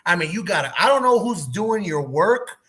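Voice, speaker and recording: A man's voice: sits high, big pitch swings, normal speed, sharp tone, a little hiss or hum. A man co-hosting a boxing interview, asking questions in a loose, enthusiastic way and swearing casually. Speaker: ring announcer, co-host.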